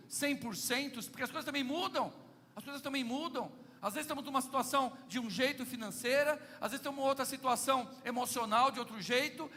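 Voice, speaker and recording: High-voiced Brazilian pastor in a reverberant church. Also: male voice, sharp tone. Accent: Brazilian Portuguese. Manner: playful anecdotal preaching, often addressing the congregation. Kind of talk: sermon.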